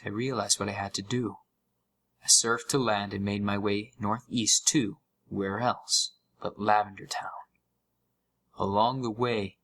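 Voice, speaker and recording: A man's voice: fairly low pitch, pushed and bright, low-quality recording. A young man playing an uneasy gamer who narrates a scripted horror story with dramatic, suspenseful delivery. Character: uneasy young male gamer recounting a haunted game.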